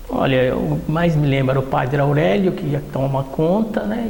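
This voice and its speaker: A man with lively intonation at a moderate pace, amid noticeable background noise and audible room echo. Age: 60s. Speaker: civil engineer, parish member interviewee. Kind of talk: interview. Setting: documentary interview. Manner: halting, with repetitions.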